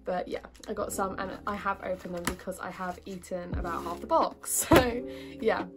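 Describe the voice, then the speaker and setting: A young British woman chatting casually to her viewers in a bubbly, informal way, with a slightly husky voice from a cold. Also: medium pitch, moderate pace, over loud music. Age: young adult. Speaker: vlogger. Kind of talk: casual chatty haul vlog.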